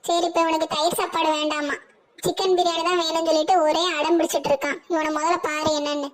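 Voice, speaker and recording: Older cartoon grandmother, bossy mother-in-law, nagging, shrill high voice. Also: flat delivery, fast. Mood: scolding. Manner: scolding, nagging, rustic.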